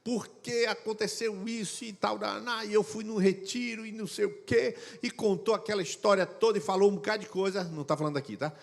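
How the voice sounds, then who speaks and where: A male pastor preaches in a church auditorium, his slightly high voice carrying a long hall reverb. He tells stories with animated energy, slipping into the voices of the people he quotes. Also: fairly quick, gravelly, few pauses. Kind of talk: sermon.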